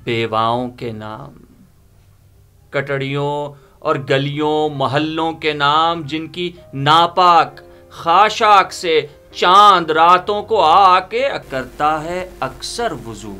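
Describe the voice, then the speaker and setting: A middle-aged man recites verse as a dramatic reading, solemn and deliberate in his phrasing. His voice is bright and intense, set a little high for a man. Soft music plays behind him. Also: clean tone. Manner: theatrical, solemn, deliberate phrasing with repeated lines. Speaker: poetry reciter. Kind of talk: dramatic reading of Urdu poetry. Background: background music.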